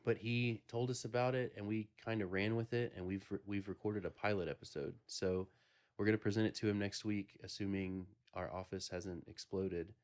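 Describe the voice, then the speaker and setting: A man's voice: on the low side, steady tone, normal speed, darkish tone. A man hosting a casual podcast chat, joking and rambling with many restarts. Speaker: podcast host.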